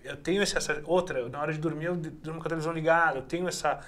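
Podcast host guy, chatty and fast, a bit higher voice. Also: steady tone, fairly bright tone. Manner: chatty, self-referential. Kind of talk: casual podcast interview.

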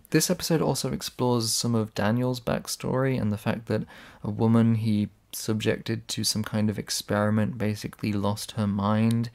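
A man's voice: on the low side, fairly even intonation, normal speed, gravelly, darkish tone. A man giving casual, sarcastic video essay commentary. He is blunt, swears when annoyed, and his voice sounds slightly worn.

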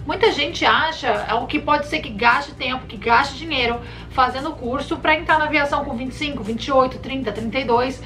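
A woman in her thirties from Brazil, a flight attendant giving casual advice to camera with lively gestures, recorded in a bedroom. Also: high-pitched, fairly quick, hardly any pauses, faint music behind, rough recording. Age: 30s. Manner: chatty, animated hand gestures, addresses viewers warmly by nicknames. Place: bedroom, indoors. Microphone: camera in front at chest framing.

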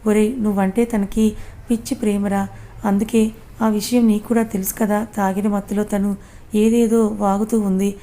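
A woman's voice: mid-range voice, little pitch movement, normal speed, dark tone, close to an everyday voice. A woman voicing a young man's loyal friend who speaks sternly and reproachfully, in a read-aloud story.

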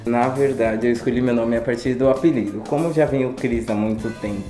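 A man's voice: medium pitch, fairly even intonation, brisk, dark tone, faint music behind. A 29-year-old man with a Brazilian Portuguese accent telling childhood stories in an easygoing, amused way. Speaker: interviewee. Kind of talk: casual personal storytelling. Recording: roomy room sound.

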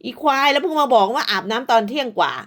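A woman's voice: high voice, lively intonation, racing. A woman ranting at rival creators, scolding and insulting them crudely, with repeated short tags. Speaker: online commentator. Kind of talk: profane rant at rival creators.

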